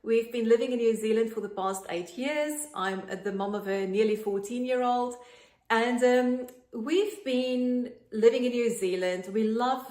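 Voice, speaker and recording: A South African woman in her late forties, talking straight to camera in a chatty, earnest way, with frequent ums, as she pitches an online business. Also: measured pace, darkish tone, reverberant. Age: 40s.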